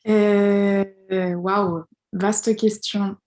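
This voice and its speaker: A woman from the French Atlantic coast, a sociocultural and language facilitator, talking in a relaxed way with light laughs over a video call. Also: medium pitch, extremely slow. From France, Atlantic coast.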